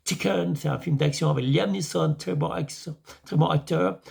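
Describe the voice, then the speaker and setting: A hoarse man with a French accent, from France, rambling casually to camera about a film, full of fillers and restarts. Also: fairly high pitch, normal speed, a little mellow. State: hoarse, voice tiring. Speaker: YouTube vlogger reviewing films.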